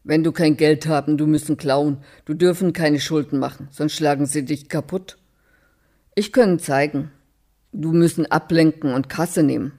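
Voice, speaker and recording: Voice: medium pitch, steady tone, moderate pace, close to an everyday voice. A reader voicing a brash young black-haired man who speaks broken, ungrammatical German, read from a screenplay-like text. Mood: pushy. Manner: loud, insistent, ungrammatical pidgin-like German. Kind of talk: reading a screenplay aloud.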